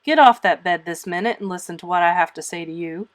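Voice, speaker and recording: A woman's voice: lowish voice, quick pace, lightly acted. Woman playing a stern, scolding elderly spinster. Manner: firm, clipped scolding.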